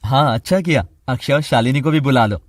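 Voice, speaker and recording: A man voicing a calm family member who speaks in a measured, everyday way. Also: medium pitch, no room sound, clean studio sound, close to an everyday voice.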